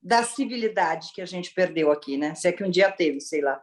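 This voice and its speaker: A woman actress born in Italy and raised in Brazil, chatting in an interview as a lively storyteller full of exclamations. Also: fairly low pitch, moderate pace. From born in Turin, Italy, raised in Brazil. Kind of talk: casual interview chat.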